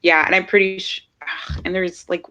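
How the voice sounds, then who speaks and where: A woman co-hosting a casual streaming podcast, talking thoughtfully with many pauses and ums. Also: fairly low pitch, little pitch movement, bright, forceful tone. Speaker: podcast co-host. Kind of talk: casual chat.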